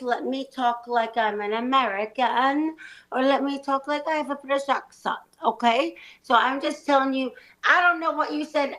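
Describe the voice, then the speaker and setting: A woman's voice: high-pitched, a bit bright, rough recording. A woman playing a brash, bragging movie star. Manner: brash and swaggering, swears freely. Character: boastful, competitive woman film star on a reality show. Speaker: improv performer. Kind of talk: improvised comedy scene.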